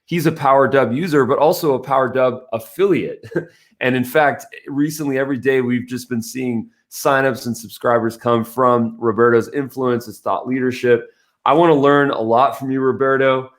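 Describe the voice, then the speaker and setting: A man's voice: mid-range voice, steady tone, moderate pace. A man hosting a podcast in a casual, enthusiastic and complimentary way, chatting as he interviews. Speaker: podcast host.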